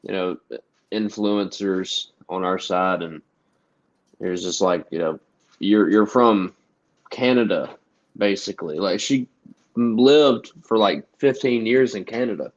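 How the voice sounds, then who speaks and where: A man's voice: deep voice, a little slow. A man from the US South co-hosting a casual political podcast. He talks loosely and leans heavily on "like" and "you know.". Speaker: podcast co-host. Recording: dull lo-fi recording.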